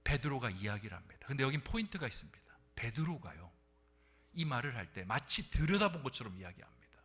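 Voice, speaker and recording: Animated Korean pastor preaching. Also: male voice, medium pitch, husky. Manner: dynamic preaching, drops to a whisper for emphasis; asks the congregation questions. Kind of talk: sermon at a Friday prayer meeting. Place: church sanctuary.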